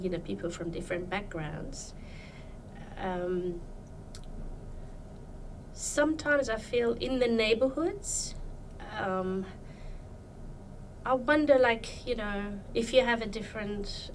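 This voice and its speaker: A woman's voice: medium pitch, distant mic, slight background noise, poor audio. A woman from Iran, a podcast guest, talking about her life in a thoughtful, hesitant way with many fillers. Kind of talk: casual interview chat.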